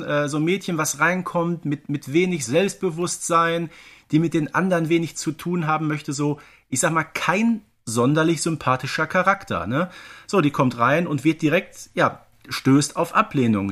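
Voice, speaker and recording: A man from the Ruhr area co-hosting a podcast, giving informative commentary in a chatty way with frequent question tags. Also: fairly high pitch. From Ruhr area, Germany. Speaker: podcast co-host.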